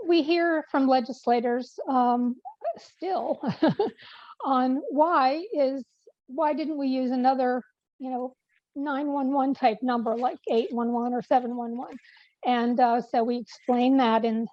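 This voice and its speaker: A woman's voice: high-pitched, dry recording, dull audio. A woman giving a policy update on a video call, losing her voice, with many fillers and restarts. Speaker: policy presenter. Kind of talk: online meeting update.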